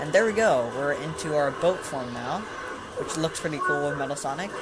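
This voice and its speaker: Noticeable noise fills the background. The talking is fairly quick. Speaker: gaming youtuber. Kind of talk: gameplay commentary. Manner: fast.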